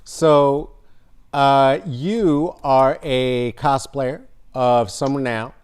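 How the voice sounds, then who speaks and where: A man in his forties with a baritone voice, hosting a podcast interview over a video call from home with a studio mic, animated and emphatic. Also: very slow, smooth. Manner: animated, emphatic, gestures while talking. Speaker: podcast host. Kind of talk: casual conversation. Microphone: studio mic in frame, earbud.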